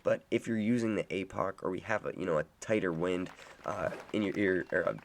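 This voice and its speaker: A man with a raspy, sick-sounding voice, walking viewers through a mobile golf game step by step in casual commentary. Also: sits low, fairly quick, a little hiss or hum. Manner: instructive, steady, talks to viewers as "guys". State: hoarse from illness. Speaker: game guide host. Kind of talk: casual gameplay walkthrough commentary.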